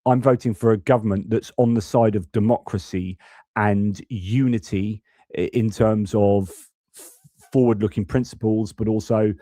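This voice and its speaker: A man's voice: lowish voice, fairly even intonation, moderate pace, mellow, no echo. A young British man hosting a live news stream, talking casually and ranting about politics, often restarting his sentences. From United Kingdom. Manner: ranting, frequent restarts and stammered repeats.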